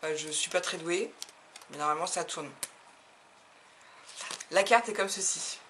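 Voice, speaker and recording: A woman's voice: lowish voice, measured pace, fairly bright tone. A woman from France chatting casually as she opens fan mail for her craft videos, laughing often and gushing with enthusiasm. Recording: audible background noise.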